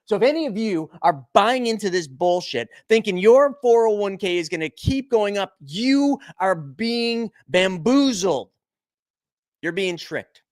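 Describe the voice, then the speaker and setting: A man's voice: high-pitched, lively intonation, unhurried, no echo, clean studio sound. A man co-hosting a finance news show, delivering an angry, sarcastic, profanity-laced rant. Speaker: podcast co-host. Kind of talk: heated finance news commentary.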